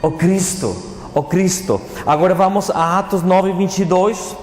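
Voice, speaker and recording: High-voiced pastor preaching in an echoey hall. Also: male voice, measured pace, a little mellow, faint music behind. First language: Spanish. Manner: didactic, repeats phrases and asks the listeners questions. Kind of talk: Bible teaching sermon with call-and-response questions. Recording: echoey hall with long reverb, faint noise.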